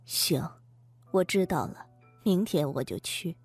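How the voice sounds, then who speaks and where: A woman playing a composed, gentle middle-aged wife in an audiobook drama. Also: on the low side, animated, measured pace, slightly rough, faint music behind, heavily acted. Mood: calm, compliant.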